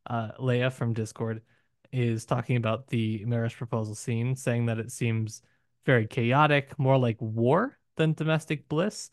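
A man's voice: medium pitch, steady tone, no room sound. Musing man talking books, dry close sound. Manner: musing, poses rhetorical questions, halting with filler phrases. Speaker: podcast co-host. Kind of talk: casual literary discussion.

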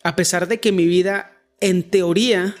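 High-voiced Mexican man, joking faith talk. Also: steady tone, moderate pace. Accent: Mexican Spanish. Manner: joking, self-deprecating asides. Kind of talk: casual faith discussion.

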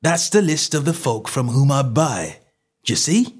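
A man's voice: mid-range voice, expressive, a little slow, slightly rough, voice pushed up. A man voicing a cocky, stubborn, snappish poultry salesman in a story reading, with combative colloquial talk. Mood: smug, challenging.

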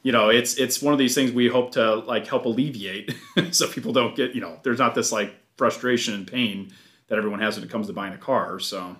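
A man co-hosting a casual podcast from a car dealership, chatty and full of fillers, quick to agree with his partner. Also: medium pitch, fairly even intonation, a bit bright.

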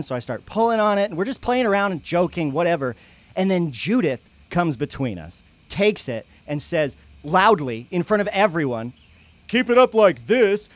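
A man's voice: on the high side, no room sound, close to an everyday voice. A young man acting a brash, foul-mouthed, resentful guy at a church camp, griping in slangy, emphatic audio drama dialogue.

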